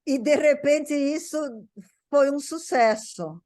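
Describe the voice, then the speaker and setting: An older woman reminiscing in casual conversation, haltingly, often repeating words as she searches for phrasing. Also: sits high, darkish tone. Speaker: guest recalling a parent's life.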